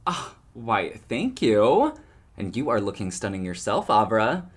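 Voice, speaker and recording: A man playing a sardonic yet apologetic male cryptid with a flamboyant streak, expressive and wordy, in an audio drama. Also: lowish voice, measured pace, slight background noise. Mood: playful, arch.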